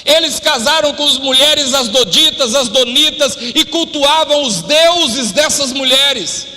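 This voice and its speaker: A pastor preaching a fervent live sermon, sometimes dropping into a low, chatty tone. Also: male voice, a little slow. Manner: fervent preaching, shouting at climaxes; drops to a lower, quieter, chatty tone. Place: church hall. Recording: live church hall reverb.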